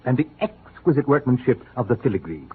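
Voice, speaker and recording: On a tinny, slightly noisy vintage radio recording, an actor plays an old jeweler with courtly, flattering manners. His formal sales talk is lively and varied in pitch, oily as an aging roue's. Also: fast talker, natural voice. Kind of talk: 1940s-50s radio drama acting.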